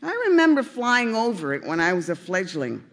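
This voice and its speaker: A woman's voice: on the low side, sing-song, fairly quick, fairly bright tone. A woman voicing the most elderly duck, wise and reminiscing about his youth.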